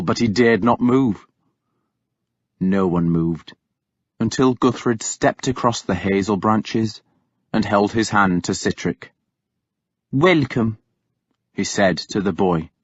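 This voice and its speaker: A man narrating a novel in the first person with a dramatic, deliberate delivery. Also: lowish voice, no room sound, highs cut off. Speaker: audiobook narrator.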